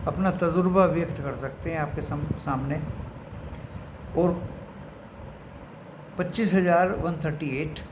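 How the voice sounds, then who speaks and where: A man with an Indian accent giving unscripted market commentary to his viewers, mixing in English phrases and addressing them like friends. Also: on the high side. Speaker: stock market commentator and channel host. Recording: echoey room with clear background noise.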